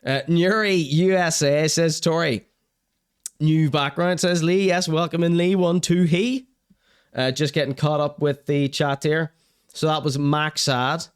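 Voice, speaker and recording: This show host speaks a little high and a little slowly, with fairly even intonation and a clean tone. He's a young Northern Irish man running a live stream, going through chat comments with blunt, wry opinions, casual swearing and laughter at his own jokes.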